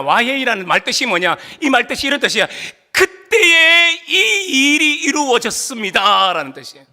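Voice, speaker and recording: A male pastor with a very high, ringing bright voice delivers an animated sermon. He questions the congregation, leads them in reading aloud, and pushes up into shouts when he stresses a point. His pitch swings widely as he preaches.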